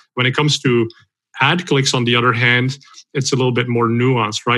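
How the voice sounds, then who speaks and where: Fairly quick in pace, the speech carries a bright, sharp tone. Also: man. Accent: Dutch. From Belgium. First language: Dutch. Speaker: marketing software founder, former Google employee. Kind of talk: interview.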